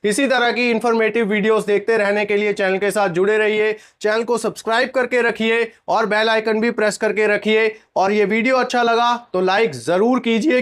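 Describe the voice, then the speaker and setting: Male reviewer-host, high and smooth voice, sore throat, chatty hands-on walkthrough. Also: fairly bright tone. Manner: chatty, talks viewers through a live test. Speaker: product reviewer, channel host. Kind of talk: casual product review vlog.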